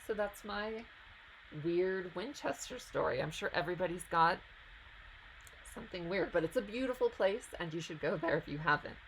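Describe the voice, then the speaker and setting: A woman's voice: on the low side, expressive, moderate pace, a little hiss or hum, low-quality recording. A woman hosting a live stream, reading out viewer questions and answering them in a chatty, casual way.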